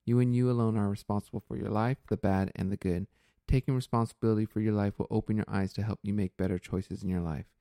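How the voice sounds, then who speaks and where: Mellow-voiced earnest male podcast host. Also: on the low side, fairly even intonation, fast, no room sound, studio quality. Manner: earnest, thinks aloud with many fillers and restarts. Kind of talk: casual reflective chat.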